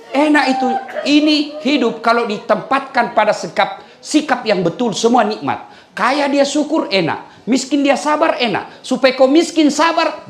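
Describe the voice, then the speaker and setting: A man preaching a humorous sermon, telling stories with laughs and teasing the women in the audience. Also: very high voice. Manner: lively storytelling with laughs and teasing asides to the women. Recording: echoey room sound.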